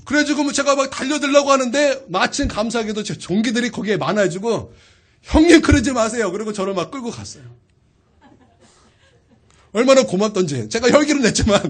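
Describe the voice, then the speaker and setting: A man preaching a sermon in a high, bright voice that leaps up and down as he tells his story. He talks straight to the congregation and throws questions at them. He shifts his delivery constantly to keep them listening. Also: slightly rough. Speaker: pastor.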